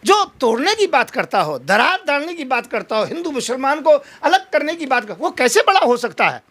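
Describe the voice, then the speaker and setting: A man's voice: very high voice, sing-song, moderate pace, a bit bright. A man giving an impassioned political interview, speaking in combative, emphatic oratory full of rhetorical challenges.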